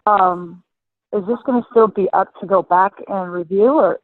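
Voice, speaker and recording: A woman's voice: medium pitch, normal speed, dry recording. Hesitant woman on a tinny phone line. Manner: hesitant, searching for words. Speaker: course participant. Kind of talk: casual group conference call.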